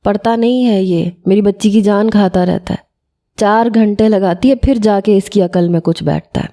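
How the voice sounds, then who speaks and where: A mother in an audio story sticks up for her daughter, voiced by a woman reader. Her tone is dark and mellow. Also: medium pitch, lightly acted. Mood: defensive. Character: defensive mother, protective of daughter.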